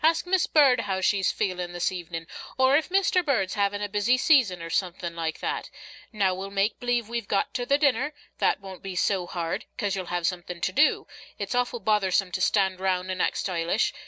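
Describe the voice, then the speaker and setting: Woman as storybook working-class mother, bossy, sarcastic, folksy rural speech, sharp bright tone, close dry sound. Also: medium pitch, animated, moderate pace, dry recording, low-quality recording. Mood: bossy instructing. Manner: rustic folksy dialect, scolding and instructing. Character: bossy, sarcastic but loving working-class mother drilling her children.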